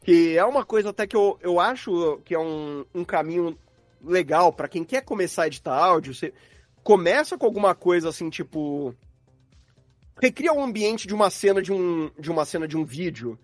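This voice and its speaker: Speaking at a normal pace, this high-voiced, expressive man with a Brazilian accent appears as a guest sound designer in a casual interview about craft. He walks through his work and performs his thinking aloud, with no room sound and faint music in the background.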